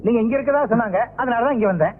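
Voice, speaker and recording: A man's voice: extremely high pitch, very fast. An actor playing a naive villager who rambles on about his lost cow. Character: simple-minded villager, rambling. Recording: tinny old film soundtrack, faint hiss.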